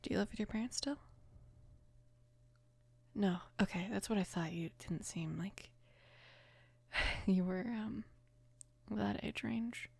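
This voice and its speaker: A woman voicing a young mafia boss's daughter, gentle, protective and flustered, in a soft, hesitant near-whisper for an ASMR romance roleplay. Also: medium pitch, takes it slowly, creaky, long pauses, slightly rough, no room sound, heavily acted. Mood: caring, shy.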